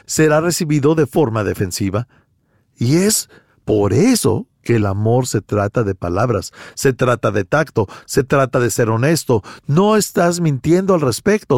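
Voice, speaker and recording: A man's voice: mid-range voice, creaky, darkish tone, no room sound, studio quality. A man preaching a sermon as pastor, emphatic and full of rhetorical questions.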